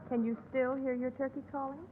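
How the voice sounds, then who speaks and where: A woman's voice: high-pitched, little pitch movement, a little fast, natural voice. An actress playing a flirtatious woman wooing a man, coaxing and seductive, in a 1940s radio comedy. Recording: tinny, noisy old radio broadcast.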